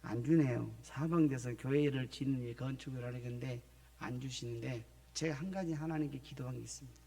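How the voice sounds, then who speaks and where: A man's voice: medium pitch, a little fast, gravelly, dark tone. A middle-aged male missionary from the Jeolla region preaching in a church, telling his story with acted-out phone calls. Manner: storytelling, acting out phone calls in other voices. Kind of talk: sermon testimony. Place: church sanctuary.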